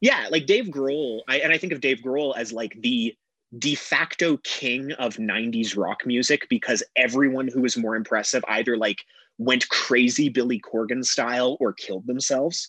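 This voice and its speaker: Bright and sharp in tone, the man speaks at a medium pitch with a dry, close sound with no echo. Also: ordinary pitch variation, moderate pace. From Alberta, Canada (Lethbridge). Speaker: musician. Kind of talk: casual chat. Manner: animated.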